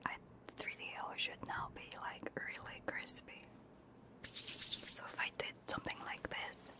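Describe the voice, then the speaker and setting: A woman streaming ASMR, chatting casually in a soft, hushed, breathy whisper close to a binaural microphone while sick with a cold. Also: unhurried. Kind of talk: ASMR, casual livestream chat. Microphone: close binaural ear microphone.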